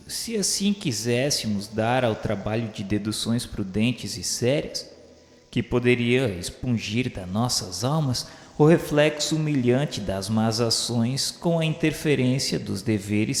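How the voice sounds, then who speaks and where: Male Brazilian narrator for radio drama: mid-pitched, grave and measured literary reading, echoey hall sound with music beneath. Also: expressive. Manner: formal, measured, earnest. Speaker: narrator of a spiritist radio novel. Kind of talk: solemn scripted literary narration. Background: background music.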